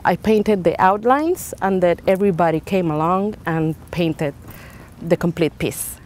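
A woman in her thirties from Puerto Rico, with a Puerto Rican Spanish accent and a fairly low voice. She talks with lively warmth in slightly broken English. She is recorded outdoors on a lapel mic, with faint ambient noise behind her. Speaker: artist. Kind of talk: interview. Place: outdoors by a painted building.

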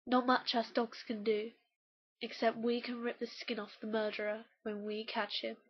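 A woman's voice: on the high side, flat delivery, normal speed, husky, highs cut off. A woman with a British accent playing a protective, tender but vengeful mother dog in an animation audition. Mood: subdued, grimly tender.

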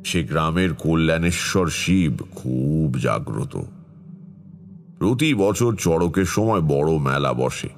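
Very deep, slow brooding storyteller. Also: male voice, lively intonation, soft background music, full character voice. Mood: measured. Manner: measured, reflective. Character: Taranath, brooding tantrik storyteller recalling eerie past. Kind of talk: dramatic first-person horror narration.

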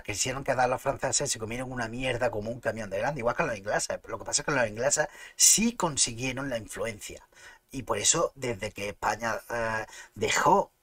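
A man's voice: medium pitch, a bit bright, slightly rough, dry recording. A man with an Andalusian Spanish accent, streaming and chatting casually, arguing his points emphatically and restarting words mid-flow. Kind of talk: casual live-stream chat.

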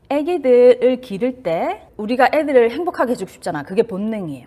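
Animated woman lecturing on child psychology. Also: on the high side. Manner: animated, acts out parent and child voices, drops to whispers. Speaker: child psychiatrist giving a talk. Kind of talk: casual lecture to camera.

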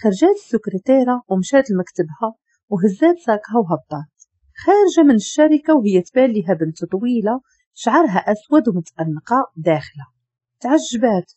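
Husky Moroccan woman narrating a story. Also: mid-range voice, mellow, no room sound.

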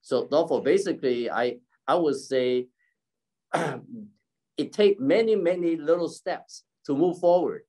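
The voice is a little high and warm, belonging to an older community leader around 70 who gives a halting, improvised keynote on an online forum, clearing his throat often. The low-quality recording comes from a video call's device mic at desk distance in a home room by a curtained window.

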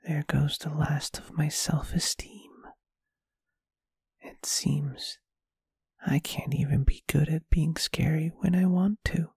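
A performer plays a bashful, friendly ghost in a whispered ASMR roleplay. The delivery is very slow, breathy and tender, with hesitant, intimate phrasing. It is recorded close and dry. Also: medium pitch, steady tone, a little mellow, no room sound. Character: shy, gentle, lovestruck friendly ghost. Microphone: close microphone, dry.

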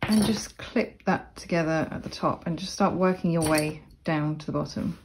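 A woman explaining sewing steps in a casual, chatty tutorial voice-over, with relaxed asides. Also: deep voice, normal speed, background noise. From Cornwall, England. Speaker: sewing instructor. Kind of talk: casual step-by-step tutorial narration.

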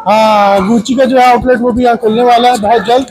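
High-pitched South Asian man vlogging. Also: fairly even intonation, a little fast, darkish tone, slight background noise. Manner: chatty, playful, code-switching into English. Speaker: vlog host. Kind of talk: casual walk-through vlog commentary. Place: inside a large shopping mall.

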